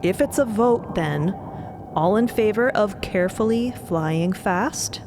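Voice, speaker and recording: A woman's voice: medium pitch, takes it slowly, noisy background. A woman playing an eager, coaxing spaceship navigator in an audio drama, speaking casually and persuasively. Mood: coaxing, determined. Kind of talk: audio drama with shared narration.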